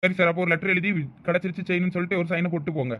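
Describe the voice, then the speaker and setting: A man plays a chatty middle-aged police officer in a cartoon, with a Thoothukudi Tamil accent. He speaks very fast and in a high voice, and he explains everything in long stretches. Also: steady tone, a bit bright. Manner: rapid, chatty, explaining at length. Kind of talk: cartoon voice acting.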